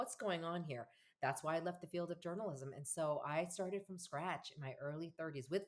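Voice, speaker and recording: With a General American accent, a woman with a fairly low pitch talks at a fairly quick pace in an animated tone. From US, Korean American. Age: 50s. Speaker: marriage and family therapist, author. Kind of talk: podcast interview.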